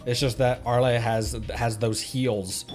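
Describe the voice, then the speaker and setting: A man's voice: medium pitch, level tone, unhurried, a little mellow. A man livestreaming a game, chatting casually and reading dialogue aloud in a playful, rambling way. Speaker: streamer. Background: faint game music.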